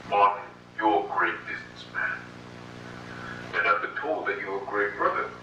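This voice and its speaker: A man's voice: lowish voice, flat delivery, normal speed, lightly acted. An actor playing a polite, unsettling man questioning someone formally in a horror short, in an echoey, distant, noisy recording. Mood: calm, ominous. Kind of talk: slow scripted horror short dialogue.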